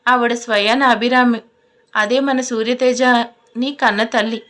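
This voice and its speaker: A woman narrating a scripted audio love story in a steady read-aloud manner. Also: fairly high pitch, a little slow.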